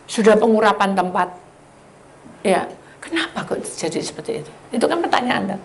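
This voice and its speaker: A woman's voice: mid-range voice, normal speed. A woman pastor with a Javanese accent giving a sermon testimony, telling her story vividly, acting out dialogue, and speaking straight to the congregation. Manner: animated storyteller who acts out dialogue; addresses the congregation directly.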